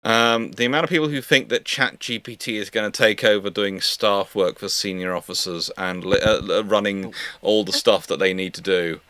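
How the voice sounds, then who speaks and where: Halting male panel host, dry close sound. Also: lowish voice, steady tone, fairly bright tone, clear, resonant tone, no room sound. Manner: halting, stammering, repeats words. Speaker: host of a live question-and-answer panel. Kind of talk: casual live panel chat, reading viewer questions.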